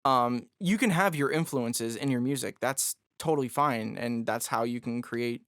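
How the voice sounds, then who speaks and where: A man with a raspy, somewhat high voice, chatting loosely as a podcast guest. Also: normal speed, a bit bright, no room sound, studio quality. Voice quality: raspy, higher voice. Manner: loose and jokey, lots of fillers. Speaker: guest musician. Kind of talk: casual podcast conversation.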